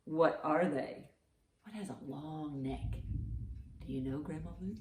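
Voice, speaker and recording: A woman's voice: low-pitched, a little slow, background noise. A woman reading aloud and posing riddles to young children as a storytime host, encouraging and big in her reactions. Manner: encouraging, exaggerated reactions to answers. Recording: roomy, echoing sound.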